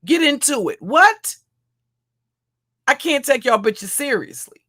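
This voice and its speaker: Woman streamer, deep heavy voice, taunting and crude, loops back over her own lines. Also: big pitch swings, takes it slowly, sharp tone. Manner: mocking, insulting, repeats and restarts phrases. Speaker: livestream commentator. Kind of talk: profane roast rant.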